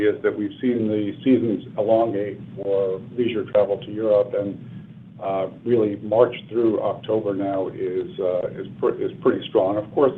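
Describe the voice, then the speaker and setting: A man with a fairly low voice speaks as an executive on an earnings call. He answers in measured, businesslike phrasing. The sound is narrow, like a telephone line. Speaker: airline executive answering analysts. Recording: narrow phone-line conference call audio.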